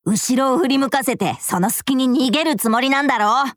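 A woman's voice: high-pitched, a little fast, dry recording, clean studio sound, natural voice. A woman voicing a brave, stern young male tyrannosaurus who talks in a tough, scolding, boyish way. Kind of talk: children's audio drama acting.

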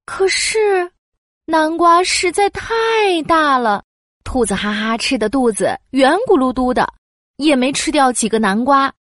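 A woman narrating a children's story in an expressive storytelling tone. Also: high-pitched, unhurried, dry recording, clean studio sound.

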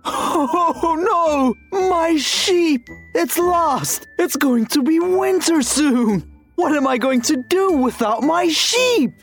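A woman's voice: high voice, animated, takes it slowly, soft background music, pitched above the performer's own voice. A woman voicing a fretful villager in a children's story, wailing over a lost sheep. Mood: distressed.

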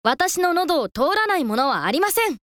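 A quick-witted young boy monk; high, lively, polite and cheerful, light music underneath. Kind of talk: children's folk tale audio drama.

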